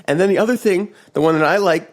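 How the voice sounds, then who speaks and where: A man hosting a casual motivational podcast, just woken up and congested, rambling with restarts and acting out quotes in a higher voice. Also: fast. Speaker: podcast host. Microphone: podcast mic.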